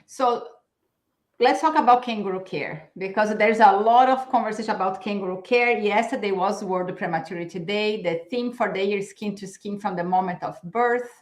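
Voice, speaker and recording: A woman host asks thoughtful questions, sometimes pausing to find the right words. Her voice has a noticeable echo from the room around her, and she speaks over a video call. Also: mid-range voice. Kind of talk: interview questions.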